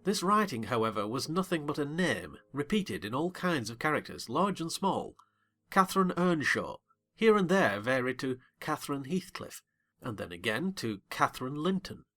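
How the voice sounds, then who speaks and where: A man narrating a dramatized classic novel in first person with a theatrical, expressive delivery, soft music beneath. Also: a little high, normal speed. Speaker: audiobook narrator.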